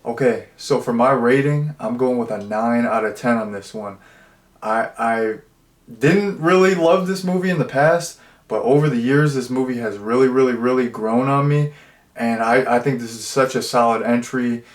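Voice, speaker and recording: A man's voice: mid-range voice, normal speed. A man reviewing a horror movie in a casual, rambling way, full of fillers and jokey asides. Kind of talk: casual chat. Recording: roomy echo.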